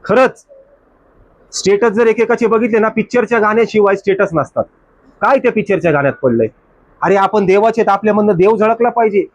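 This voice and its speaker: High-pitched man preaching a sermon. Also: brisk, no room sound, lo-fi sound. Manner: exhorting, rhetorical questions, mimics excuses. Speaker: pastor.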